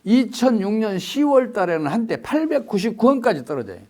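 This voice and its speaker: A man's voice: high-pitched, very animated, fairly quick, mellow. A man, an economics expert, giving emphatic interview answers full of rhetorical questions.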